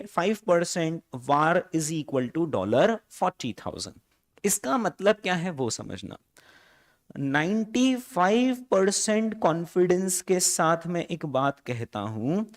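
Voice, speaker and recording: A man with an Indian accent teaching finance in a revision lecture, mixing Hindi and English and asking his students questions as he goes. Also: on the high side. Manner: slows down to stress key phrases.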